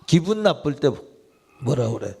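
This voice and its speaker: A man's voice: mid-range voice, very animated, unhurried, gravelly, dark tone, husky. A man, a pastor, preaching a sermon in a church, with a conversational style and direct questions put to listeners. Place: church sanctuary.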